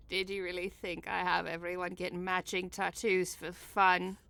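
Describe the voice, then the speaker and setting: Woman acting smug, creaky-voiced female villain. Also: lowish voice, sharp tone, exaggerated voice. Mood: smug mocking. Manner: smug, mocking, sardonic. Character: cold, sardonic scheming female villain, mocking and ruthless. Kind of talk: audio drama comedy acting.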